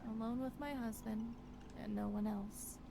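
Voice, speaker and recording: A woman playing a fearful wife losing her grip on reality, narrating a horror game in a brooding, halting, theatrical way. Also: fairly high pitch, steady tone, gravelly, background noise. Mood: uneasy, brooding. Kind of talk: dramatic first-person horror game narration.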